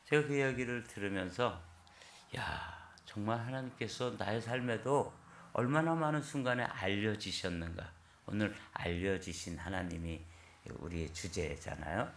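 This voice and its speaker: A man in his sixties preaches an early-morning sermon in a conversational, storytelling manner. His voice is low and gravelly. The sound rings in a church sanctuary. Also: moderate pace, reverberant, slight background noise. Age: 60s. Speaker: pastor.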